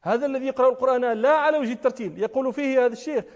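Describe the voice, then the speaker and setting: A man's voice: extremely high pitch, rapid-fire, lo-fi sound. A man giving an emphatic religious lecture, repeating key phrases and asking rhetorical questions. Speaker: religious scholar teaching a lesson. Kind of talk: lecture on recitation and jurisprudence. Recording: long hall reverb.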